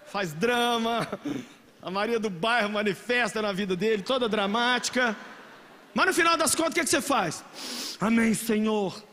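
A middle-aged man with a Brazilian accent, preaching a dramatic, emotional sermon to a youth congregation, swinging from soft asides to shouting. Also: sits high, fairly quick. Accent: Brazilian Portuguese. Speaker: pastor. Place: large church hall with a youth congregation. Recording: long hall reverb with music behind.

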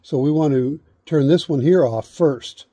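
A man's voice: on the high side, a little slow, warm tone, breathy edge. A middle-aged man giving a hands-on HVAC how-to outdoors, repeating steps and checking in with "okay?". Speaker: HVAC instructor. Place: outdoors beside an air conditioner unit. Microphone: camera held close, point of view.

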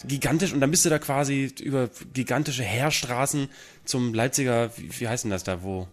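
A man in a German comedy radio studio tosses out absurd tangents in a quick, chatty stream. His pitch sits mid-range for a man. Faint music plays underneath. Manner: fast, absurd joking tangents. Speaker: radio host. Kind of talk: improvised comedy radio chat.

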